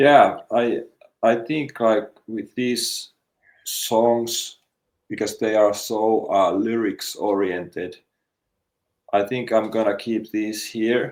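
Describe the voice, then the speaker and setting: Speaking very slowly in a Finnish accent, a man at medium pitch keeps his intonation fairly even and leaves long, frequent pauses. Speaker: metal musician. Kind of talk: podcast interview. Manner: halting.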